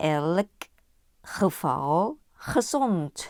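A woman speaks in a dark, mellow tone with very wide pitch swings. The recording is very clean, with a silent background. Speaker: language teacher. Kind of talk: tutorial, language lesson.

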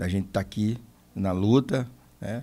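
Fairly slow speech from a man, fairly low in pitch with ordinary variation and a dark, mellow tone. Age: 70s. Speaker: amateur football club founder and president. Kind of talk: interview. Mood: proud, reflective. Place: studio. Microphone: studio mic.

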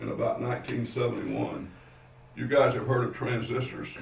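A man talks with a Southern US accent. Light background noise and audible room echo can be heard. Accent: Southern US (Georgia). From Georgia. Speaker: professor, retired engineer; professor. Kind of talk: lecture. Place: hall. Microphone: camera far.

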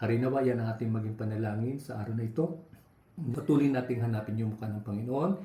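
A man with a Filipino accent talks at a very fast pace with ordinary pitch variation. His tone is dark and mellow, and somewhat breathy. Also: medium pitch for a man. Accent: Filipino (Tagalog). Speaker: devotional leader. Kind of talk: fervent prayer. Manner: earnest, reverent.

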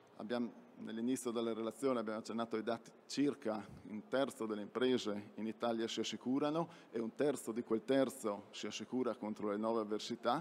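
A man with an unremarkable speaking voice talks at a fairly quick pace. His medium pitch stays fairly even, with light background noise. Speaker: agricultural association representative; panelist. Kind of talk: conference speech. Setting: stage with audience. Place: hall. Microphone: podium.

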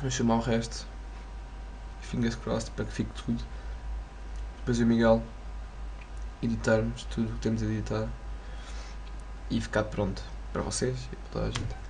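Over light background noise, a man with a very deep, low pitch speaks at a fairly quick pace in a somewhat breathy, monotone, flat delivery. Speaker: vlogger. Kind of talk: casual vlog chat. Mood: relaxed, playful. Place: home room. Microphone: webcam.

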